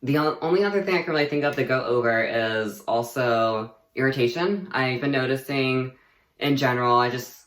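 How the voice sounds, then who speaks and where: A man's voice: mid-range voice, moderate pace, a bit bright. Chatty young man in an echoey room. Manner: chatty, rambling, many "like" and "um" fillers, laughs easily. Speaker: vlogger. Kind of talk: casual personal update to camera.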